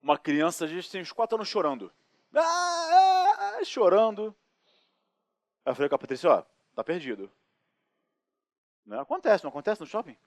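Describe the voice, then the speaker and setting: A man with a Brazilian accent lecturing on criminal law, lively and joking, acting out anecdotes and asking rhetorical questions in a recorded course. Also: on the high side, fast, dry recording, clean studio sound. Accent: Brazilian Portuguese.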